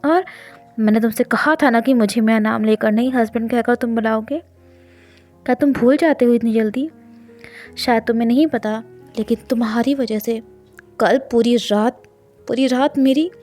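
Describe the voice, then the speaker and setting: A woman's voice: on the high side, unhurried, dark tone, faint music behind. A woman voicing a stern, dominant young man who talks in a firm, commanding, scolding way, reading a storybook scene.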